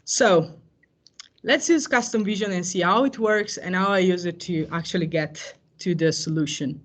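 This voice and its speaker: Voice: medium pitch, normal speed, a bit bright. Hesitant tech presenter. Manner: hesitant, frequent fillers and self-corrections. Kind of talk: technical talk on cloud AI services.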